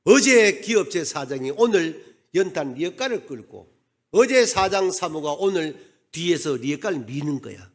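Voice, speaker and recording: Animated pastor telling stories. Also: male voice, on the high side, a little slow. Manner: animated storyteller, acts out dialogue. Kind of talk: sermon storytelling.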